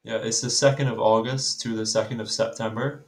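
A man in a casual faith conversation, calm and explanatory. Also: lowish voice, brisk.

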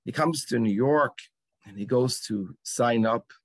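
A man with an English accent tells a story to a gathering, acting out lines and leaning on dramatic pauses. His voice sits at an everyday middle pitch. The sound is dry and close. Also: no echo. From England. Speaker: speaker at a gathering. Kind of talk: storytelling talk at a religious gathering.

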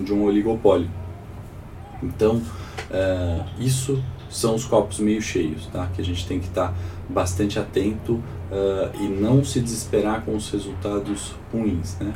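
A Brazilian man gives informal live market commentary in a low, dark voice. He sounds stuffed up and sore-throated, like someone with swollen tonsils and a cold. He is picked up from a little way off the mic. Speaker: host of a live financial morning call. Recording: distant mic with faint background noise.

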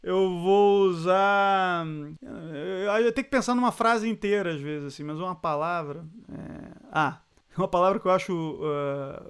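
A man, a sports journalist chatting as an interview guest. He is animated, laughs often and drops words from other languages. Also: high-pitched, clear, resonant tone. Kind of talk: casual interview chat.

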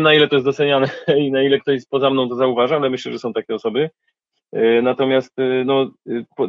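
A man's voice: mid-range voice, dry recording, lo-fi sound. A man, a rapper, answering interview questions in a reflective, colloquial way.

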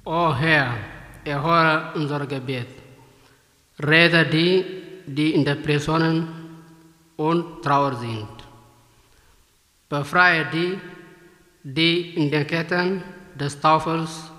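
A man, a priest, slowly intoning a solemn prayer in a measured way. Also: on the high side, fairly even intonation, pushed and bright. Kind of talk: slow solemn spoken prayer. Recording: echoey hall with long reverb.

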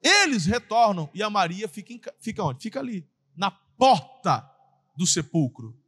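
Brazilian man, pastor preaching, high voice, very lively, sudden shouts, long hall echo. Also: moderate pace, slightly rough. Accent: Brazilian Portuguese. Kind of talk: sermon.

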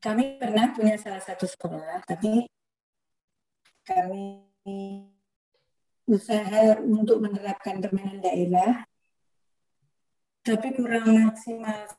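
A woman speaks slowly and hesitantly over an online call. Her audio is choppy and glitchy and keeps breaking up. She sounds faint and distant. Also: mid-range voice, dark tone, faint music behind. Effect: choppy, breaking-up call audio from a bad signal. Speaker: participant asking a question in an online meeting.

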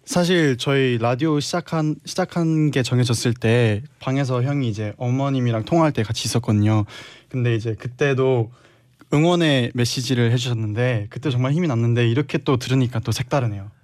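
A man's voice: medium pitch, a little fast, a little mellow, dry recording, studio quality. A young man in his twenties co-hosting a radio show, polite and earnest. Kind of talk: casual radio chat. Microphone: studio microphone.

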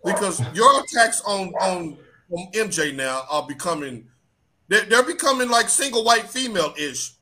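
A man hosting a casual sports talk show, animated and joking, sometimes dropping his voice low for comic effect. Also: moderate pace. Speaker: host.

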